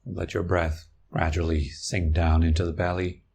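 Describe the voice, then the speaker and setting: Calm, very deep-voiced male meditation guide. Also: gravelly, slightly rough. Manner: slow, calm, with long pauses between phrases. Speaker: meditation teacher.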